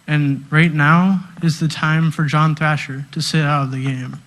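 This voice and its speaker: A man making a public comment in a steady, flat voice that sits a little high. He sounds pointed and critical. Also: measured pace.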